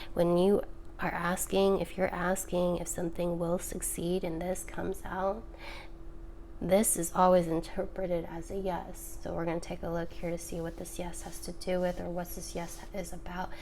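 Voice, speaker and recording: Audible room echo and noticeable background noise surround the speech. The speaker is a woman. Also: moderate pace. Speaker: tarot reader. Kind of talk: tarot reading. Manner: casual.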